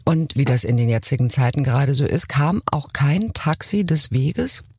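Animated husky woman telling stories. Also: extremely low pitch, normal speed. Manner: playful, animated storytelling. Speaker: guest actress. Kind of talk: casual podcast chat.

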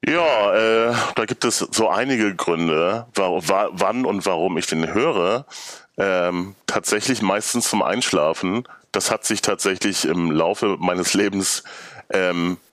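A man chatting casually as a podcast guest, often halting as he searches for words. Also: sits low, a bit bright, dry recording, clean studio sound. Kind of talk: casual chat.

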